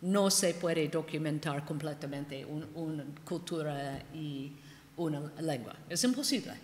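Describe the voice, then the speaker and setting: An older woman whose first language is English, giving an academic lecture in halting speech with frequent "ah" and "ok". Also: deep voice, darkish tone. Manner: halting, frequent "ah" and "ok", gestures widely. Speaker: linguist giving a conference talk. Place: large ornate conference hall. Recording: echoey hall with long reverb.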